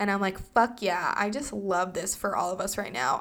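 At a medium pitch and with fairly even intonation, a woman talks in an unremarkable speaking voice. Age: 20s. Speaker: podcast host. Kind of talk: casual solo monologue.

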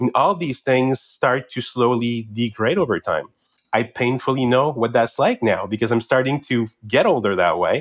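This man has a plain, everyday voice, pitched in the middle range, moving at a moderate speed with ordinary pitch variation. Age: 50s. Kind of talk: interview conversation.

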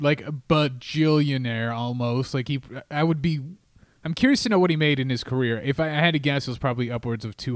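On a very clean recording with a silent background, a man speaks at medium pitch. His pace is fairly quick, with ordinary pitch variation. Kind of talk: casual comedic chat. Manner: loud, talkative.

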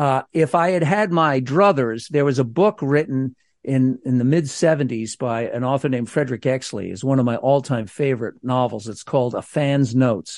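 Over a quiet background, a man speaks at medium pitch and a moderate pace, with ordinary pitch variation and hardly any pauses. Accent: American. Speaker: retired radio host and novelist. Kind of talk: interview.

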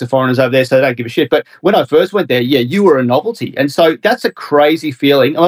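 Talking at a very fast pace in an Australian accent, a man with a fairly high pitch uses lively intonation, in a dry, close sound with no echo. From rural Victoria, Australia. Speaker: barbecue grill company representative. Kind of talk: casual chat.

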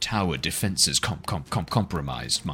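A man puts on a robotic character voice with a very deep, low pitch. He speaks at a moderate pace over clear background noise.

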